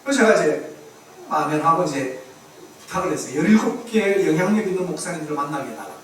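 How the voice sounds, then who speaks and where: A man with a high voice preaches a sermon in a church sanctuary, telling his story with lively energy and acting out the people he quotes. He is picked up from far back in a very echoey hall, with a faint hiss of noise underneath. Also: fast talker. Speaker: missionary preacher.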